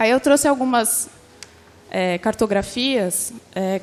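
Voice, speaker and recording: Noticeable background noise behind a woman's soft-spoken voice. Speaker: graduate researcher presenting at academic conference. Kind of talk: conference presentation.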